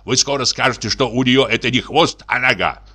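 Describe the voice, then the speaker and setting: A man's voice: medium pitch, a little fast, bright, forceful tone, breathy edge. A man voicing a boastful, pushy, middle-aged army lieutenant who is drinking, exclamatory and wheedling. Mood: boasting. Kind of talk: audiobook character reading.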